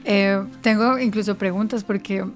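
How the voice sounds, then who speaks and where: Flat-toned woman giving career advice. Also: medium pitch, normal speed, faint music behind. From Spain. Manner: explanatory, evenly paced answers. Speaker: podcast guest, career advisor. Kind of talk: interview podcast.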